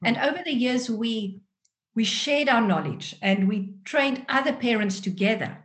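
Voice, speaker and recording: Female interview guest, 40s, South African accent, native Afrikaans speaker, fairly high voice, earnest and expressive storyteller. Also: measured pace. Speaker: guest, author and parenting workshop presenter.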